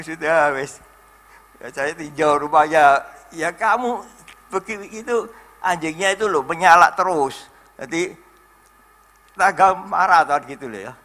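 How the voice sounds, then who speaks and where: A man's voice: a little high, sharp tone. A middle-aged man, preaching a sermon as the pastor in a folksy, chatty way full of anecdotes.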